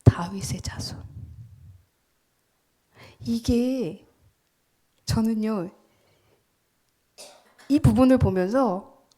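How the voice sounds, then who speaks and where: A woman pastor delivers a sermon with a warm, mellow voice pitched a little above the usual. She preaches emphatically, often sinks into a whisper, and keeps asking the congregation questions before answering them herself. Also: drawn-out words, pauses often. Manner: emphatic preaching, dropping to whispers for quoted lines.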